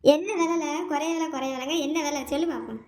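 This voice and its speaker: A woman plays a nagging village mother-in-law, scolding in a high, rapid voice. She fires off question after question at her son and daughter-in-law in this cartoon comedy, always hectoring. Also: vocal fry, a little mellow. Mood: suspicious.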